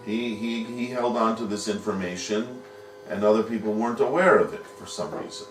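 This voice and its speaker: A man's voice: fairly low pitch, normal speed, noisy background. A man teaching a Talmud study lesson, patiently explaining step by step and posing rhetorical questions. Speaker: yeshiva teacher. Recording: echoey room, mic at a distance.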